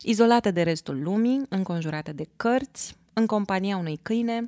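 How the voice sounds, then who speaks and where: A woman with a plain, everyday voice speaks at a moderate pace with medium pitch and lively intonation. The background is quiet, and the sound is dry and close with no echo. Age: 40s. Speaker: literary translator, podcast co-host. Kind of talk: casual chat.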